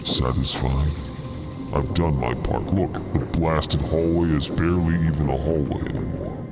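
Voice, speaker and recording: An actor playing a grim, impatient man with a gravelly voice and a weary, cutting edge in an audio drama. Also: rumbling low, steady tone, moderate pace, over loud music. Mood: stern, impatient.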